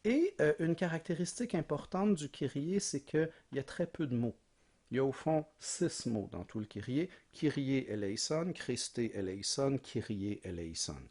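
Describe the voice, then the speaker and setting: A man's voice: a little high, expressive, normal speed, dark tone, breathy edge. A man giving a recorded music history lecture, explaining patiently, asking rhetorical questions and singing short examples.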